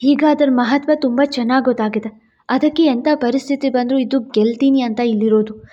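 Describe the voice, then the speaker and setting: A woman's voice: high-pitched, steady tone, moderate pace, dark tone, highs cut off. A woman voicing an earnest young wife pleading with her husband in a storybook drama, in a coaxing, confident way.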